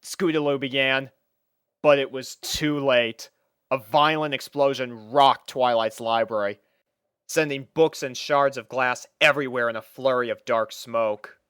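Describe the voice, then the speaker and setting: A woman narrating a scripted story in an expressive manner. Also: a bass voice, a little slow, clean tone, no echo, studio quality.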